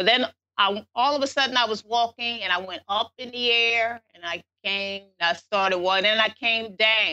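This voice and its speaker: A woman with a Philadelphia accent, a fairly high pitch and a bright, sharp tone, in a dry, close sound with no echo. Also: ordinary pitch variation, moderate pace. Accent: Philadelphia American English. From Philadelphia, US. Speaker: blind advocate. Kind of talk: interview.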